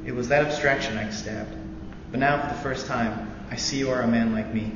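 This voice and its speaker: In a reverberant hall, a young student veteran with a medium pitch reads part of a novel aloud live. His opening remarks are hesitant and crowded with fillers, but the reading itself is steady and sincere. The sound is dull, lo-fi, and noisy.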